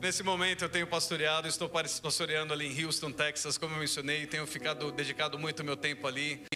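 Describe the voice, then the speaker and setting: With noticeable background noise behind him, a man speaks very fast at a fairly high pitch, his intonation monotone and flat and his loudness very even. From Brazil. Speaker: pastor. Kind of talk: sermon. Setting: church. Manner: halting, searching for words.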